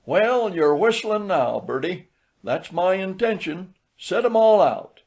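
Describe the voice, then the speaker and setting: A man playing a loud old rustic Southern elder. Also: sits high, sing-song, slow, creaky, pitched above the performer's own voice, exaggerated voice. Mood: delighted. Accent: rural American South. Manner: folksy, emphatic, dialect speech.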